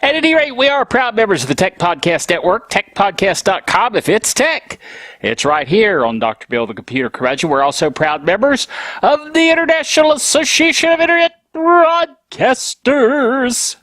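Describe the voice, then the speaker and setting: A man's voice: very high-pitched, big pitch swings, normal speed, fairly bright tone, dry recording, studio quality. A man hosting a tech show alone, stuffy from a cold, talking casually with grumpy, self-mocking humor. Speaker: podcast host.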